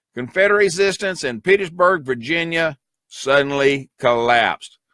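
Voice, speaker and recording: Very wide pitch swings mark a man's moderate-paced speech in an American accent. The recording is very clean and the background silent. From US South (South Carolina). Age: old. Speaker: talk radio host. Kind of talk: talk radio monologue. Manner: casual, folksy.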